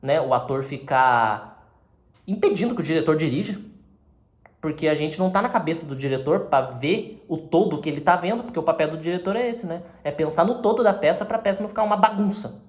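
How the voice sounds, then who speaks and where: A man's voice: a little high, animated, a little fast. Brazilian man explaining acting, conversational. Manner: conversational, often ends phrases with tag questions. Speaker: actor and acting teacher. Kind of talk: casual explanatory lesson.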